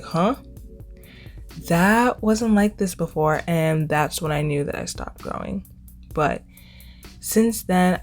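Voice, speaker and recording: A woman's voice: low-pitched, a little mellow. A twenty-year-old woman hosting a casual solo podcast, talking in a chatty, informal way and repeating words for emphasis. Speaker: podcast host.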